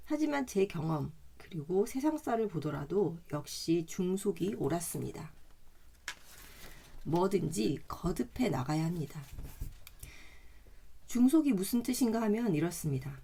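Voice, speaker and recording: A woman reading a self-help book aloud in a calm, measured way, adding chatty side comments, her throat slightly hoarse today. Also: on the low side.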